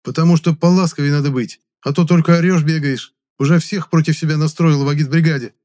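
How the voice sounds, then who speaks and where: A man voicing a sharp-tongued young male hero who talks bluntly and scolds. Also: medium pitch, a little fast, pitched above the performer's own voice, close to an everyday voice. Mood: scolding.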